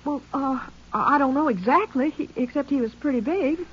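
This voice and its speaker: A muffled old radio recording carries a high-voiced American teenage girl. She sounds anxious and insistent, stammering in an earnest, pleading way. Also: fairly quick, fairly bright tone. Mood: defensive. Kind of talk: 1950s radio drama acting.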